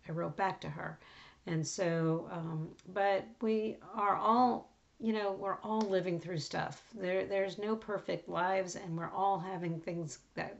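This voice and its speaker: A raspy middle-aged woman hosts a faith podcast, talking in a relaxed, halting way with lots of "uh" and "you know". Her voice sits a little low and has a gravelly edge. The recording sounds somewhat dull and lo-fi. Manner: halting, many fillers and restarts. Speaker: podcast host. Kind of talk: casual devotional podcast chat. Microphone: on camera, close mic.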